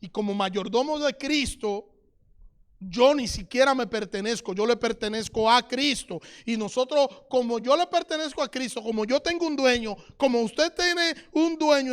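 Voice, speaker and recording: Man, pastor, sermon, high-pitched, clear voice, reads scripture. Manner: preaching, addresses listeners as brother, reads scripture aloud.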